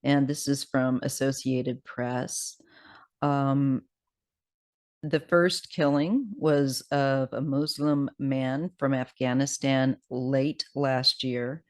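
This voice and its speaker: Scratchy voice tarot host, talks slow and halting, casual, kinda feeling their way along. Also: mid-range voice, level tone. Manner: hesitant, halting delivery. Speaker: tarot card reader host. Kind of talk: casual unscripted talk, partly reading news aloud.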